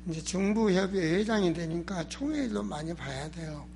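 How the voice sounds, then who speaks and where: A man's voice: high voice, lively intonation, normal speed, creaky, a little hiss or hum. A man preaching a sermon as a pastor, emphatic and exhorting, with rhetorical questions and a strained, sore throat. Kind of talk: sermon in Korean church.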